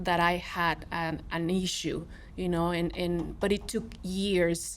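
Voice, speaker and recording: This woman speaks with a Spanish accent. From Mexico, Monterrey. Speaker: professor. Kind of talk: interview. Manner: halting.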